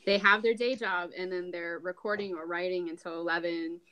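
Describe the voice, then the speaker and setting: A woman's voice: fairly low pitch, fairly even intonation, a little fast, sharp tone, clean tone, poor audio. A woman podcaster talking in a casual, conversational podcast chat.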